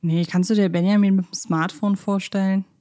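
A woman's voice: mid-range voice, fairly even intonation, fairly quick, warm tone. A woman co-hosting a podcast in casual chat, talking like an enthusiastic fan who thinks aloud. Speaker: podcast co-host. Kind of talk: casual chat about children's audio plays.

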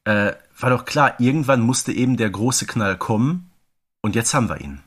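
Male podcast co-host, mid-pitched, conversational analysis of audio drama. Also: expressive, moderate pace, husky. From Ruhr area, Germany. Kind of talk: casual audio drama review chat.

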